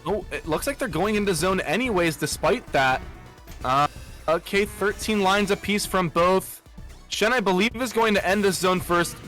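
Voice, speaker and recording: Male esports caster, bright tone, measured analysis, filler-heavy delivery. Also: high-pitched, soft background music. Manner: analytical, steady, frequent "uh" fillers. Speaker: esports commentator. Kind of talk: play-by-play game commentary.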